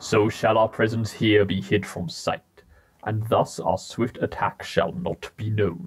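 Lively intonation marks a man's fairly low voice as he speaks at a fairly slow pace. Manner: cold, commanding.

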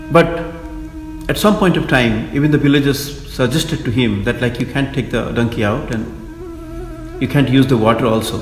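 While clear music sounds behind him, this man talks at a medium tempo. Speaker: yoga or wellness teacher. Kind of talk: teaching talk with a story. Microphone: phone near.

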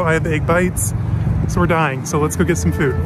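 A man's voice with loud background noise and a dry sound with no echo. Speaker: vlogger. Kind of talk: casual vlog chat. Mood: upbeat, pleased. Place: street. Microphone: phone near.

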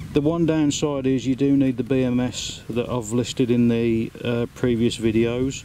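Speaking very slowly in a Midlands accent, a man keeps a monotone, flat intonation, his dry, echo-free sound set against noticeable background noise. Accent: Midlands English, Birmingham-like. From English Midlands. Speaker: e-bike builder and YouTuber. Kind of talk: casual vlog and tutorial. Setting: indoors workshop, later outdoors. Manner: rambling, informal. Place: waterside.

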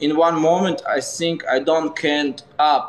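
A man talks with a Russian accent at a very slow pace. His pitch is fairly high, and audible room echo surrounds him. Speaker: streamer. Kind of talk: casual chat. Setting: video call. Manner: halting. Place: home room. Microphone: phone near.

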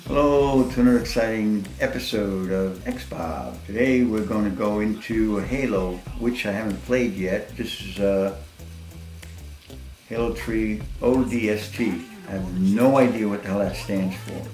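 Faint music and audible room echo surround a man speaking at a fairly low pitch and a fairly slow pace. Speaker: gamer. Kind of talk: casual talk to camera. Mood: joking, good-humoured. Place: home room.

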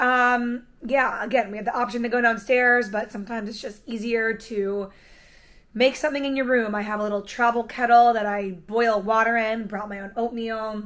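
With monotone, flat intonation, a woman talks at a moderate pace. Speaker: athlete vlogger. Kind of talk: casual vlog chat. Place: home room. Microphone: phone near.

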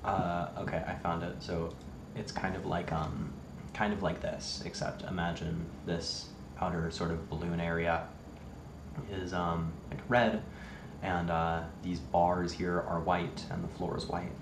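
A man speaks with a very deep, low pitch and fairly even intonation. Noticeable background noise is present. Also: fairly slow pace. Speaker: streamer. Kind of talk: casual vlog chat. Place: home room.

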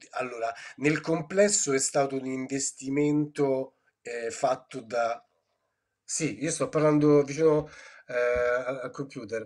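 A man's fairly high voice at a very slow pace, fairly even in intonation, with long, frequent pauses and a quiet background. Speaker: music video maker; guest. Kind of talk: interview. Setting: video call. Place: home room. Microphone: webcam.

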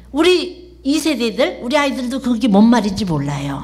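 Her pitch high and swinging very widely, a woman speaks. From South Korea. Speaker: pastor's wife; seminar lecturer. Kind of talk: sermon. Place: hall. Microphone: podium.

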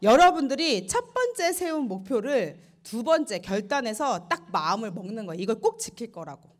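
A woman with a fairly high pitch talks at a moderate pace with hardly any pauses. Her pitch swings very widely and her loudness shifts a lot, against a quiet background. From South Korea. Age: 30s. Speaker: motivational speaker at sales seminar; speaker. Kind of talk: seminar talk with interpreter. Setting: stage with audience. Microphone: handheld.

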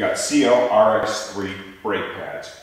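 Loud background noise and audible room echo surround a man whose pitch varies in an ordinary way. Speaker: presenter. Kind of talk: tutorial. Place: workshop.

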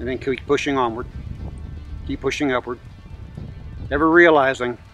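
With ordinary pitch variation, a man speaks in a dry sound with no echo while faint music plays in the background. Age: 60s. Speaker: pastor and traditional bow hunter. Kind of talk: devotional message to camera. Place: forest.

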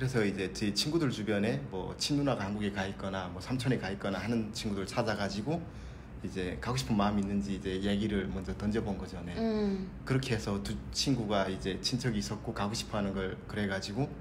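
The man's fairly low voice carries vocal fry at a fairly quick pace. Noticeable background noise is present. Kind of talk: interview answer. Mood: calm, recounting a personal story. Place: cafe.

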